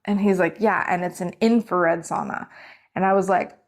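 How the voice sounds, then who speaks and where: A woman's voice: lowish voice, fairly even intonation, normal speed. A woman in her thirties, telling a long story to camera in a rambling, chatty way, often yawning. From Canada. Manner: rambling and chatty, full of "like" and self-corrections. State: yawning, has an ear infection. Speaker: vlogger. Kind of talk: casual storytelling vlog.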